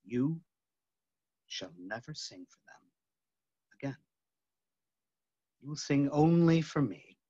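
A man playing a tormented, obsessive phantom in a staged reading, halting and dramatic, moving between hushed and loud. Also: on the high side, animated, slightly rough, dry recording, heavily acted. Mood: possessive, pleading. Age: middle-aged. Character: tormented, obsessive masked phantom, possessive male lover. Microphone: computer mic on video call. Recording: muffled video call audio.

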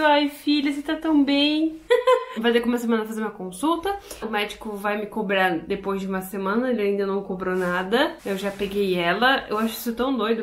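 A woman's voice: fairly high pitch, slight background noise. Chatty woman vlogging with her pets. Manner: chatty, affectionate baby talk to pets. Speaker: pet vlogger. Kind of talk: casual home vlog. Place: home.

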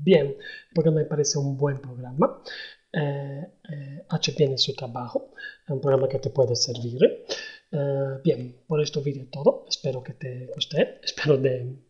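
A man's voice: mid-range voice, darkish tone. Hesitant man. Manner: hesitant, many ums and ers. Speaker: tutorial host. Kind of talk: screen-recorded software tutorial. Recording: dull lo-fi voice-over.

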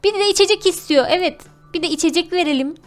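A woman with a very high, girlish pitch hosts a game role-play. She speaks in a theatrical, exclamatory way, with faint music behind her. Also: fast talker. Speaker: gaming video host. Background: background music.

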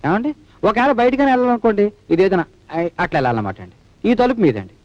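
An actor playing a simple-hearted, timid police constable, polite and repetitive, in old film dialogue. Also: male voice, high-pitched, wildly swooping pitch, fast talker, a little mellow, no echo. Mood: earnest. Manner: polite, repetitive, adds honorifics to every phrase. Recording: dull lo-fi film soundtrack with music.

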